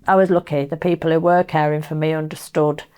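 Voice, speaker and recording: A woman's voice: deep voice, little pitch movement, fairly quick, warm tone, clear, resonant tone. A woman in casual conversation who tells personal stories with frequent laughter and self-deprecating humor. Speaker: podcast guest sharing carer experiences.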